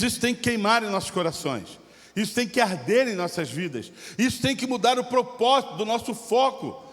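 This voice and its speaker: A man with a Brazilian Portuguese accent, a pastor preaching a sermon. He swings from shouted exhortation to relaxed, chatty storytelling. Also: sits high. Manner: impassioned, shifting from shouting to storytelling. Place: church sanctuary. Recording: long hall reverb.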